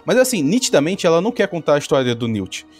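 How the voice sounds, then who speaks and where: A man in casual podcast chat, talking excitably about films. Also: fast talker, soft background music. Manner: excitable, swings high and low in pitch.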